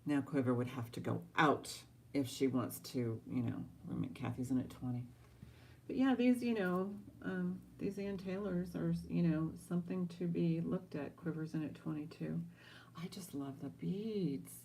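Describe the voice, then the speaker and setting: A woman's voice: deep voice, normal speed, vocal fry, darkish tone, a little hiss or hum, poor audio. A woman hosting a casual live-stream jewelry auction, chatting directly to viewers and thinking aloud as she goes. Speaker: online jewelry auction host.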